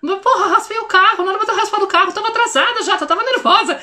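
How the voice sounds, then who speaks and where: A woman's voice: very high voice, rapid-fire, sharp tone. A woman in her thirties, a parenting educator hosting a live stream, talking casually and expressively and often turning to her viewers.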